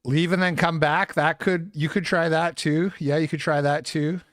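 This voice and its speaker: A man's voice: a little high, steady tone, normal speed, a bit bright, dry recording, studio quality. A man from Saskatchewan hosting a casual livestream chat, easygoing and chatty. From Saskatchewan, Canada. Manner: easygoing, chatty, laughs often. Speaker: podcast host. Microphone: remote call setup.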